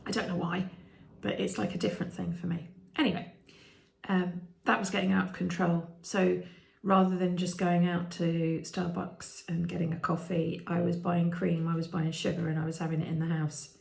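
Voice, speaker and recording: A British woman in her fifties, vlogging candidly with many ums and restarts and a voice that turns croaky at times. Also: lowish voice, flat delivery, normal speed, a little mellow. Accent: British English. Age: 50s. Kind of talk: candid personal vlog. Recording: echoey room.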